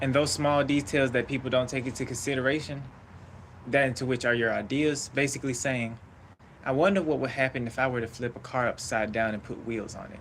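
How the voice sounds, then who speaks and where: A man in a normal speaking voice moves at a fairly quick pace, his medium pitch held to fairly even intonation. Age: 20s. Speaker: podcast host. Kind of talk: casual monologue. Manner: relaxed, laid-back.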